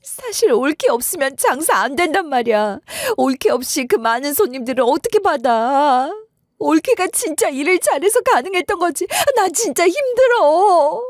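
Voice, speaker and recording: A woman's voice: sits high, sing-song, moderate pace, darkish tone, no room sound, studio quality. A woman voicing a desperate older sister-in-law who begs in a tearful voice. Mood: desperate pleading. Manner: begging, tearful.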